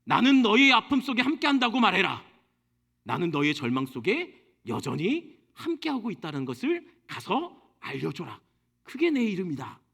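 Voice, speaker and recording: A man voicing God as a calm, patient divine speaker in a sermon retelling, talking slowly and softly. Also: sits high, vocal fry, breathy edge, full character voice. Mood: gently assuring. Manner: slow, soft and reassuring.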